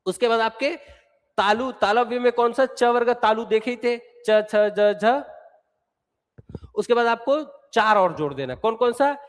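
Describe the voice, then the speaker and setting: A man's voice: very high voice, a little slow. A male teacher giving an exam-prep lecture, explaining step by step and repeating sounds aloud to drill them. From Chhattisgarh, India. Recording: long hall reverb.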